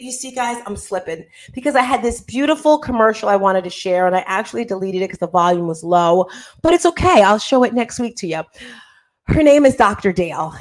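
A woman with a fairly high voice hosts an online show. She is animated and playful, given to exclamations, and talks in an informal, motivational style. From Caribbean. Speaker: talk show host.

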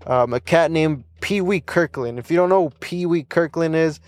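A man's voice: on the high side, normal speed, no room sound. Rambling young man podcasting. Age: young adult. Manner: loose and rambling, many fillers and restarts, laughs often. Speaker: podcast host. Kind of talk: casual solo podcast monologue.

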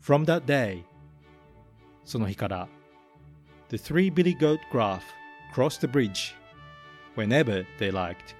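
A man's voice: medium pitch, animated, soft background music. A man reading a picture book aloud in English and Japanese, then explaining English phrases as a podcast host. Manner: slow, careful reading of English lines, then Japanese translation; plain explanatory teaching tone. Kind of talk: bilingual storybook reading and English lesson.

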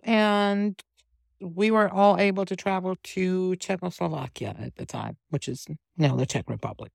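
A woman's voice: medium pitch, gravelly, no echo, clean studio sound. A woman in her fifties, from Romania with a Romanian accent, telling her story earnestly as an interview guest. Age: 50s. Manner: earnest, steady storytelling with small restarts. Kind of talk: conversational interview.

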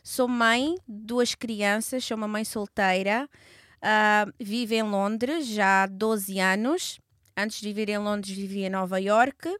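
A woman's voice: medium pitch, fairly even intonation, takes it slowly, fairly bright tone, no echo, studio quality. A woman in her thirties, born in Portugal, speaking as an interview guest in a hesitant, reflective way with frequent fillers and restarts. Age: 30s. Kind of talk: conversational interview.

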